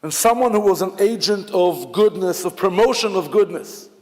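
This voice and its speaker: A man from Israel with an Israeli accent, giving a memorial eulogy in a halting, reflective way with many fillers and restarts. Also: high-pitched, a little mellow. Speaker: officiant at a memorial service. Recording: long hall reverb.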